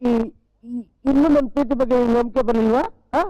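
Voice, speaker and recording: An actor with a Kannada accent playing an obsessive, lovesick young film director, pleading and shouting in a film drama. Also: male voice, very high-pitched, steady tone, a little fast, dry recording, muffled recording.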